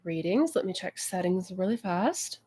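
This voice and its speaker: A woman's voice: on the low side, very animated, normal speed, dark tone, husky. A woman hosting a live question-and-answer stream as a coach, chatting casually, a little stuffy and nasal from a cold. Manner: friendly, chatty, many fillers. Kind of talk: casual livestream chat.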